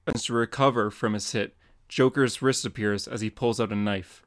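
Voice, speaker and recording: A man's voice: fairly low pitch, steady tone, moderate pace. A man co-hosting a podcast, narrating comic panels in plain, descriptive tones. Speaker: podcast co-host.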